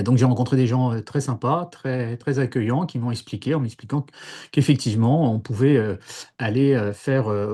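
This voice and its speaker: A former seminarian in his sixties, originally from Paris, gives casual interview testimony about his earlier life. He speaks hesitantly, with lots of fillers and restarts, in a mid-range voice that is dark and slightly rough.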